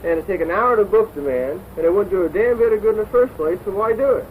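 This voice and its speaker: A jaded, dismissive policeman, played by an actor in a 1970s training film. His voice is high for a man and brusque, on a tinny, noisy old soundtrack. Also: expressive, fast talker. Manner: brusque, profane. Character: jaded, gruff male beat cop, dismissive.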